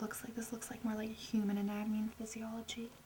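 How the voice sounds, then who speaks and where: A woman speaks softly in a nervous tone with monotone, flat intonation. Noticeable background noise sits behind her. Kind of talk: ASMR video, casual talk to camera. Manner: nervous, soft-spoken.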